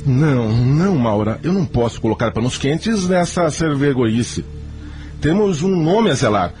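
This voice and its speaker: A man's voice: medium pitch, big pitch swings, unhurried, a little mellow, faint music behind. Dramatic, agitated Brazilian father. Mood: indignant. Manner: agitated, dramatic, sighing delivery. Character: proud middle-aged father, scandalised, reputation-minded, reluctantly relenting. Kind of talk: Brazilian radio soap acting.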